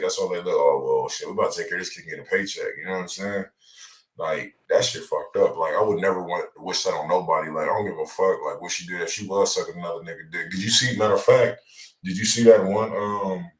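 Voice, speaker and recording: A man co-hosting a casual chat show, slangy and profane, often repeating his phrases, with a roomy echo on his voice. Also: low-pitched. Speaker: radio show co-host.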